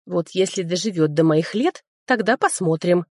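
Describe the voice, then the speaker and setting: A woman's voice: lowish voice, lively intonation, normal speed, darkish tone, no room sound, clean studio sound. A woman voicing a grumpy, sarcastic old male talking sword in a storybook reading. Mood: grumbling. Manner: grumbling, sarcastic.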